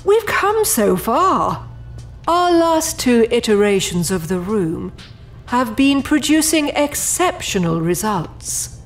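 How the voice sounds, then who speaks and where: Haughty high-voiced overseer, animated delivery. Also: female voice, slow pace, soft background music, heavily acted. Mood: indignant. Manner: formal, haughty, precise diction. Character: proud, formal female overseer of an infernal project, defensive. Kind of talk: audio drama acting.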